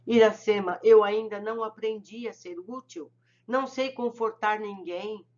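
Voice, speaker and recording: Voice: mid-range voice, steady tone, a little slow, darkish tone, lo-fi sound, voice pushed up, natural voice. A reader voicing a humbled remorseful father spirit.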